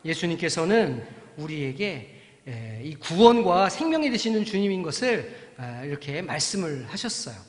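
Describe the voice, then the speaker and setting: A high-voiced male pastor with a Busan Gyeongsang accent tells a Bible story to children in a lively, animated way. His voice carries a long reverb from a large church sanctuary, picked up by the pulpit microphone. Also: normal speed. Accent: Busan Gyeongsang Korean.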